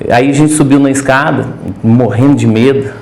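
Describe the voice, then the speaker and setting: A man's voice: medium pitch, steady tone, moderate pace, creaky, a little mellow. Nervous Minas-accented man, echoey room. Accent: Minas Gerais Portuguese. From Brazil. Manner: hesitant, nervous, many restarts. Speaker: podcast guest, pigeon breeder. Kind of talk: casual interview chat.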